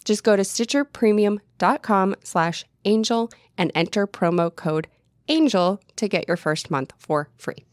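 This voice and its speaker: A woman's voice: mid-range voice, measured pace, no echo, studio quality. A woman hosting a podcast, giving a chatty, upbeat promotional read. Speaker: podcast host.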